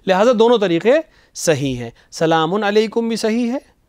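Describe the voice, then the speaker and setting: A man, a religious scholar on a studio TV show, explaining patiently and slowly reciting phrases to show the right pronunciation. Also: high-pitched, sing-song, a little mellow, no room sound. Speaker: religious scholar answering questions. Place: television studio.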